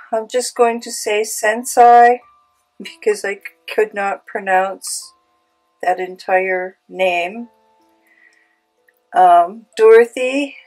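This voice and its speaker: A woman with a cold hosting a casual craft tutorial, chatty and unhurried, with frequent ums. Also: fairly high pitch, low-quality recording. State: has a cold. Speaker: craft channel host. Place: home craft room.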